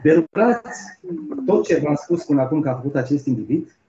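A man's voice: fairly high pitch, very animated, gravelly, a crowd in the background. A man giving an academic keynote, telling a story and checking in with the audience through rhetorical questions. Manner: storytelling with frequent rhetorical "nu?" tags. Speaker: keynote speaker. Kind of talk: academic lecture, retelling a story. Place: conference hall. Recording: roomy, dull lo-fi lecture recording.

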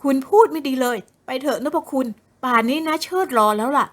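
A woman voicing a spoiled, jealous young woman who talks in a whiny, demanding way in a novel reading. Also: fairly quick. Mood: shrill scornful. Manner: whiny, high-pitched, sulky. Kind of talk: audiobook character voice.

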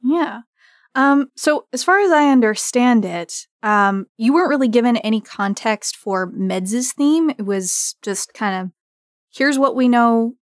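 A woman hosts a casual roundtable interview, asking questions in a conversational way. Her voice is slightly high and recorded dry, with no room sound. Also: expressive, a little slow, dry recording. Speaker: roundtable host.

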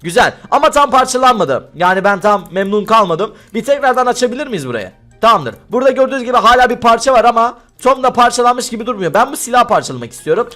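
Lively high-pitched young man gaming. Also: fast talker, hardly any pauses, faint music behind. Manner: playful, frequent laughter, calls out to friends. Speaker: gaming video host. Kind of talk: excited gameplay commentary.

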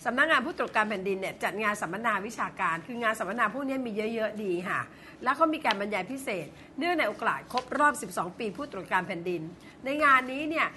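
A woman hosting a political talk show, talking in an animated, sarcastic way and laughing often. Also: fairly high pitch, quick pace, slight background noise.

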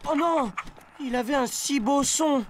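A man voicing an excitable character who fusses over his childhood toy duck, talking theatrically in a scripted comic lesson. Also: a little slow, background noise. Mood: playful. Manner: theatrical, with big swings of pitch between lines. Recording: music playing behind the voice.

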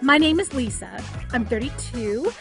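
A woman in her thirties playing an excitable contestant cast as a prim storybook mother in a comic audio drama. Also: a little high, moderate pace, gravelly, over music. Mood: excited. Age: 30s.

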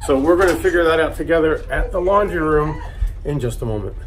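A man's voice: on the high side, animated, brisk, soft background music. A middle-aged man hosting a travel vlog, walking through a cruise ship laundry room and chatting in a friendly, self-deprecating way. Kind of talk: casual how-to vlog narration. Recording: echoey room, distant mic, hum.

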